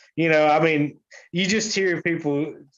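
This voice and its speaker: This man has a strong Southern US accent and a fairly high pitch. He talks at a moderate pace with fairly even intonation. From Kentucky (born South Carolina). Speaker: guest. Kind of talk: casual chat.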